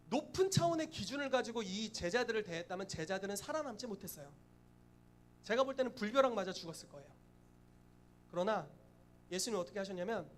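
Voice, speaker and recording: A man preaching a church sermon as pastor, animated, acting out voices and laughing often. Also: sits high, slight background noise. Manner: lively, acts out quoted voices, laughs often.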